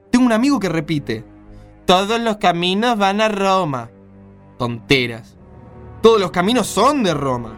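A man with an Argentine accent playing a blunt, skeptical, weary caravan-leader father in a radio play. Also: high-pitched.

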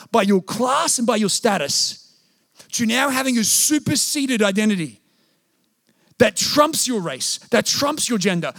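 A man preaches from the pulpit in a high, light voice. He keeps it lively, jumping into playful quoted voices before dropping into slow, earnest stretches. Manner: animated, acts out voices and quotes. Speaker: pastor. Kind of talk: sermon.

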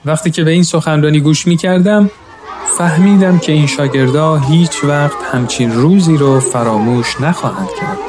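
A man narrating a story in a calm, measured way, now and then addressing his listeners as friends. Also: a little high, a faint crowd, a little hiss or hum. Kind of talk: scripted narration.

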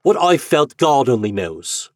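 A man's voice: mid-range voice, expressive, moderate pace, mellow, dry recording, clean studio sound, close to an everyday voice. A man voicing a shaken, angry English lodger who growls his words. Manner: growling, savage.

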